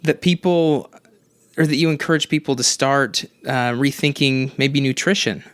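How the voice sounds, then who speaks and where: An encouraging podcast host who affirms the guest and laughs along easily. The voice sits at a middling pitch and sounds dry and close, with no room around it. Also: fairly even intonation, normal speed, clear, resonant tone, no echo. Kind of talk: podcast interview.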